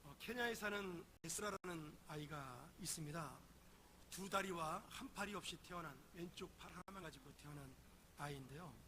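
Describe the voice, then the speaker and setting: A man preaching a sermon, his voice hoarse from a throat cold, telling a story with swells of emphasis. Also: fairly high pitch, moderate pace, pushed and bright, a little hiss or hum. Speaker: pastor. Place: church sanctuary.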